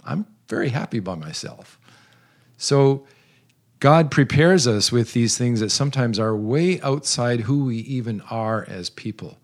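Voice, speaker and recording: A man in his sixties who grew up in South America, giving earnest, measured interview answers with frequent pauses and restarts. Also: mid-range voice, animated. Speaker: guest, retired missionary.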